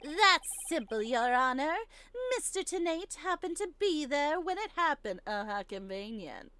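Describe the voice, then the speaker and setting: A woman's voice: high-pitched, lively intonation, unhurried, sharp tone, a little hiss or hum, voice pushed up, heavily acted. A woman voicing a smug, sneering male prosecutor in a courtroom game, with a condescending, taunting manner.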